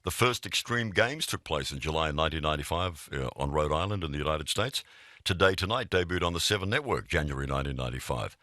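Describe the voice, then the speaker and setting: Very deep-voiced Australian male radio host. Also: lively intonation, fast talker, sharp tone, no echo, studio quality. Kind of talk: casual music radio presenting. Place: radio studio. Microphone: close studio microphone.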